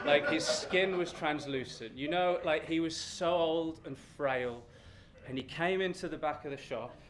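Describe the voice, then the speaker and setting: A British man telling an animated, ranting comic story live on stage, exasperated, self-deprecating and sweary. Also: a little high, a little slow. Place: live storytelling event with room ambience. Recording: noisy live venue recording.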